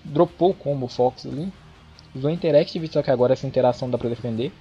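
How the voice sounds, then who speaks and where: An excitable man commentates a fighting-game match in a loose, chatty way, swearing freely. He is recorded on an old microphone that makes him sound dull and lo-fi. Faint music plays underneath him. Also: medium pitch, fast, slightly rough. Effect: dull lo-fi sound from his old microphone. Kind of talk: casual esports match commentary.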